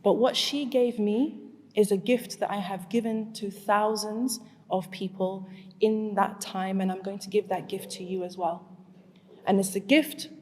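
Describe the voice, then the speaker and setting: A woman in her forties gives a talk in a large hall, and her voice trails off into a long echo. She speaks at a middle pitch, draws the crowd in with hand-raising questions, and then shifts into telling her own story. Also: steady tone, unhurried, a little mellow. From Zimbabwe. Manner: engages the crowd with show-of-hands questions, then tells a personal story. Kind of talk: storytelling talk to a live audience.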